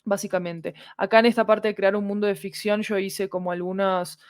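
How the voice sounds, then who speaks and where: A woman's voice: medium pitch, fairly even intonation, a little fast, clean tone, no room sound, clean studio sound. A woman explaining things conversationally as a podcast guest, discursive and often checking in with short tag questions. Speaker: podcast guest, fiction audio producer.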